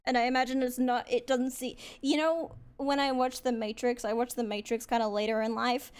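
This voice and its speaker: A woman's voice: on the high side, steady tone, a little fast, clear, resonant tone, no room sound. A woman with an Australian accent, a streamer chatting casually and playfully with a co-host, often breaking into giggles. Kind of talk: casual chat.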